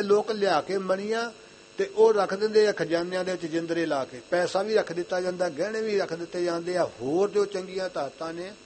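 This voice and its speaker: A young man with a high voice delivers an earnest Sikh sermon, circling back over his own phrases. He slows into a chanting cadence whenever he recites scripture. A faint hum sits under the recording. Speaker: Sikh preacher.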